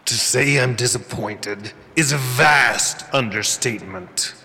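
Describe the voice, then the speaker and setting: An actor playing an ancient, imperious fairy lord in a fantasy audio drama, haughty, theatrical and commanding. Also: male voice, mid-range voice, takes it slowly, pushed and bright, soft background music, full character voice. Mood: cold, demanding. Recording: long cavernous reverb.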